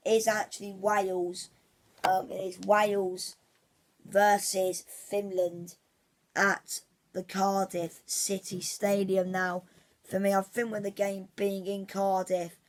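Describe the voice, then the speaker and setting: A man's voice: high-pitched, a bit bright. Rambling guy talking football. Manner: rambling, says "obviously" constantly, many restarts; fan-like, insistent about his team. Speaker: football vlogger. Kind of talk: casual football predictions vlog.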